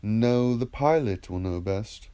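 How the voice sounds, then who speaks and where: A man's voice: lowish voice, slow pace, warm tone, clean tone. A man reading the part of a vain but agreeable reciter of epic poetry in a dramatised dialogue, answering with deference and assurance. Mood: agreeable, self-assured.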